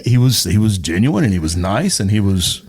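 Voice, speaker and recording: Middle-aged man with lively, varied pitch. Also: fairly quick. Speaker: interview guest, radio personality. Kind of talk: casual chat. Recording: clear background noise.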